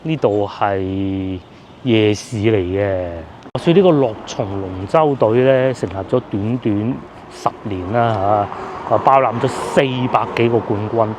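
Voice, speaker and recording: A man's voice: fairly low pitch, unhurried, noisy background. A man with a Cantonese accent giving rambling, casual vlog narration while riding through streets outdoors. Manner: chatty, rambling with fillers. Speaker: food vlogger.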